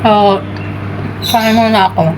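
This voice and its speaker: A woman's voice: mid-range voice, little pitch movement, slow pace, background noise. A young woman with a Filipino accent, chatting casually in a vlog and telling a story with giggles and lots of fillers; she sounds sleepy. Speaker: vlogger.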